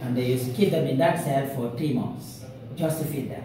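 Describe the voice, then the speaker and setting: A man's voice amid noticeable background noise and strong room echo. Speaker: tour guide. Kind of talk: guided tour explanation. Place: hall. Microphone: camera far.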